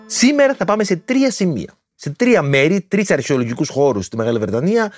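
A man's voice: fairly high pitch, sing-song, soft background music. A man hosting a history video, explaining legends in a playful, slangy way full of jokey asides.

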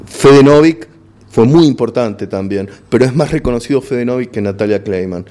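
A man's voice: medium pitch, moderate pace, warm tone. A middle-aged Argentine man, a stand-up comedian, talking frankly in an interview and often restarting words as he searches for them. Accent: Argentine Spanish. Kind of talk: casual interview chat.

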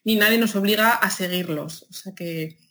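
A woman's voice: medium pitch, moderate pace. Madrid-accented woman, guest on an interview, chatty and emphatic, laughs a lot. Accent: Spanish, Madrid. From Spain. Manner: animated storytelling, laughs often, emphatic. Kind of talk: casual interview chat.

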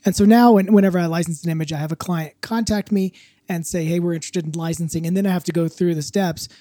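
A man's voice: high voice, steady tone, fast, dark tone, dry recording, studio quality. A man in his fifties, a podcast co-host, chatting casually with a wry, rambling way of talking. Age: 50s. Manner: rambling, self-correcting, wry.

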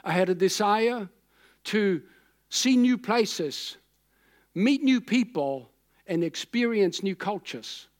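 A man's voice: sits high, animated, slow pace. A man in his sixties from Austria, a German speaker, preaching a sermon in a conversational, rambling way with emphatic repetition. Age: 60s. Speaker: pastor.

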